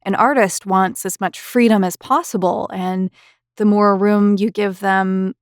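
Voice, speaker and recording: A woman's voice: medium pitch, steady tone, measured pace, clear, resonant tone, no room sound, clean studio sound. A woman interviewing a guest in a conversational way.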